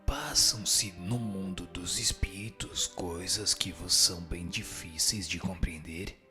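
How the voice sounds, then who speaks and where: A man's voice: sits low, takes it slowly, pushed and bright, full character voice. A Brazilian man playing a wise, solemn spirit teacher in a radio drama, speaking in formal, didactic and rhetorical phrases. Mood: didactic, patient. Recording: music behind the voice.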